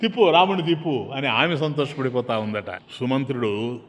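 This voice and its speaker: A male preacher giving a devotional sermon, retelling an epic with animated storytelling and acted-out characters. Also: medium pitch, normal speed, slight background noise. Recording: long hall reverb.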